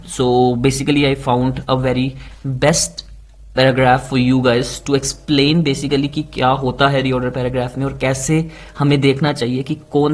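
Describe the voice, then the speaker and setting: A man's voice: medium pitch, low-quality recording. A young man with an Indian accent teaches English exam tips in a casual, chatty way, dropping in "like", "basically" and "right?" as he goes. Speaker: PTE exam tutor. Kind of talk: casual tutorial talk mixing Hindi and English.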